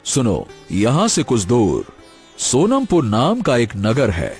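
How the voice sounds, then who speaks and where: An actor voicing a wise, mysterious old hermit sage in a cartoon story, speaking calmly and soothingly. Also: male voice, mid-range voice, faint music behind, full character voice. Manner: calm, soothing, measured.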